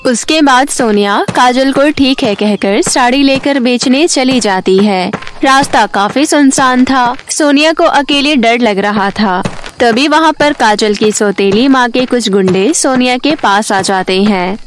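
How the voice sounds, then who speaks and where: A woman's voice: fairly high pitch, a little slow, slight background noise. A woman narrating a children's bedtime fairytale from a script, as the storyteller.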